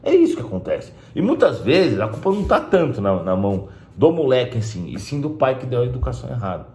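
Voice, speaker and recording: A man's voice: medium pitch, wildly swooping pitch, quick pace, mellow. A man giving a blunt, emphatic casual talk to camera as a spiritist video host. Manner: blunt and emphatic, with frequent "né?" asides. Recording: roomy echo.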